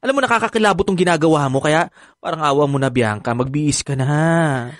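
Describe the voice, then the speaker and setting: A man's voice: a little high, fairly quick, no echo, clean studio sound, lightly acted. An actor with a Filipino accent playing an exasperated, sassy gay man in an audio romantic comedy.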